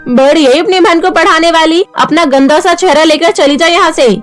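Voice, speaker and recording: Woman doing a mean cartoon stepmom, shrill and bossy, pitched way up, faint music under it. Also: normal speed. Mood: angry scolding. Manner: shrill, bossy, cruel scolding. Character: harsh scolding stepmother, middle-aged woman.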